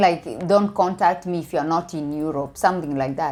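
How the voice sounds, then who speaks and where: In a very clean recording with a silent background, a woman speaks at a fairly low pitch with ordinary pitch variation. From Kenya. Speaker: relationship coach, vlogger. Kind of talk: casual storytelling vlog. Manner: conversational, with fillers and repetitions.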